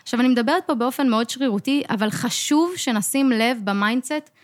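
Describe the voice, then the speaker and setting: A woman's voice: on the high side, no room sound, clean studio sound. A young adult woman co-hosting a podcast as a coach, explaining earnestly in casual chat and acting out the voices in her head.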